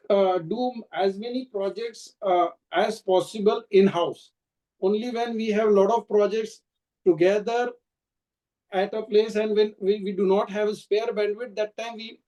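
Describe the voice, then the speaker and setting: A man with an Indian accent answering questions as a company executive on a conference call, explaining in halting, restarted phrases. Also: high-pitched, fairly even intonation, dark tone, poor audio. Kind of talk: earnings call answers, spontaneous speech.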